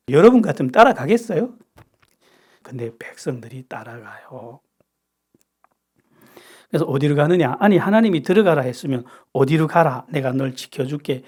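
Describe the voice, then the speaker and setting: A pastor from North Korea preaches a Bible-study sermon, often turning to his listeners with rhetorical questions. His intonation is animated and rises and falls widely. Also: fairly high pitch, slightly rough. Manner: lively, asks the audience rhetorical questions.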